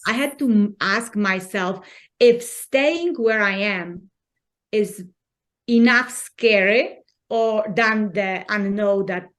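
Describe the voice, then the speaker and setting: A woman from Poland with a Polish accent, a podcast guest talking in an earnest, encouraging way with halting non-native phrasing. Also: mid-range voice. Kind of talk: conversational interview.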